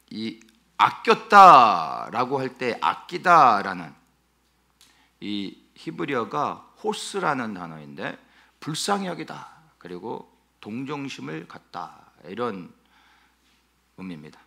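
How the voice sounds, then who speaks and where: A male pastor preaching an expository sermon, emphatic and animated, often asking his listeners rhetorical questions. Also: mid-range voice, slow, vocal fry.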